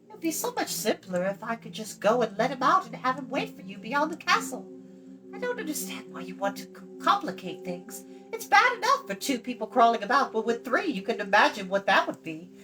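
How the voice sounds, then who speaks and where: Woman voicing a chatty, high-pitched scatterbrained girl. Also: sing-song, brisk. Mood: chattering. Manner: breezy, haughty, rambling. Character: chatty, scatterbrained, proud, giggly young enchantress girl. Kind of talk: storybook character voice.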